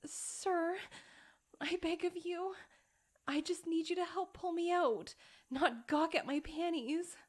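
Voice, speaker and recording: A young woman playing a proper young lady who is trapped and pleading, speaking in formal, old-fashioned phrases with breathy whispered pleas. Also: high voice. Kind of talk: solo audio roleplay.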